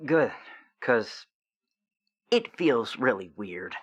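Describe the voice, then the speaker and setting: An actor playing an awkward, apologetic supernatural teenager on a radio drama phone-in, halting and sheepish. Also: mid-range voice, sing-song, breathy edge, no echo, lo-fi sound, heavily acted. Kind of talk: scripted audio drama phone-in.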